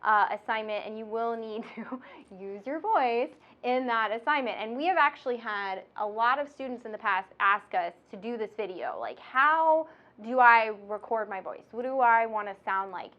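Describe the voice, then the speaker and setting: Here a podcast host and instructor with a nasal voice keeps things casual while teaching, chatty and bubbly, with frequent laughter. Her voice is a little high, her speed normal, and the recording is muffled.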